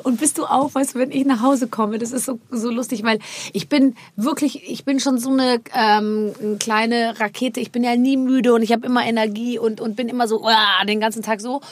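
Lively woman host, slightly husky and higher-pitched, casual interview banter. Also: moderate pace, few pauses. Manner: lively, chatty, laughs often. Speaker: podcast host.

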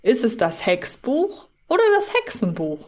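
Woman podcaster chatting casually, voice a bit on the high side. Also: wildly swooping pitch, a little slow. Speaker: podcast co-host. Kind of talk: casual fan podcast chat.

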